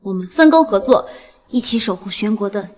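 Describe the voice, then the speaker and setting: An actress playing an affectionate, eager young adult daughter in a screen drama. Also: female voice, mid-range voice, expressive, fairly quick, a little mellow, close to an everyday voice. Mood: earnest.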